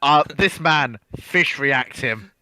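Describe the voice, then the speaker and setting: A man's voice: medium pitch, lively intonation, takes it slowly, pushed and bright, no room sound. A man bantering casually as a panellist on a livestream.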